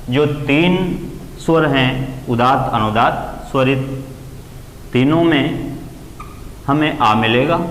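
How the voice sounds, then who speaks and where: Male teacher, careful step-by-step lecture, roomy reverb, faint background hiss. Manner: explains step by step, raising pitch to stress key terms. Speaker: Sanskrit grammar teacher. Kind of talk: classroom lecture. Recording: echoey room with long reverb, faint ambient noise.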